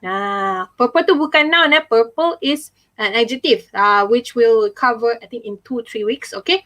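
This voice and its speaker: A young woman with a Malaysian accent teaching an online English class, mixing in Malay and reading examples slowly with stress. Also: on the high side, a bit bright. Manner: chatty, fills with "okay" and "ah". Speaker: English tutor.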